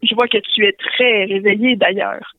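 A woman voicing a seductive male spirit who talks slowly and suggestively, with a Québécois French accent. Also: mid-range voice, fairly even intonation, dry recording, lightly acted. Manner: slow, suggestive. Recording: tinny phone line.

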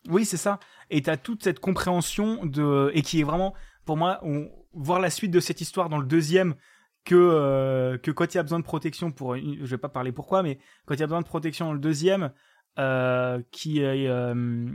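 A man's voice: fairly high pitch, moderate pace. A man talking casually on a podcast, rambling and enthusiastic, swearing freely.

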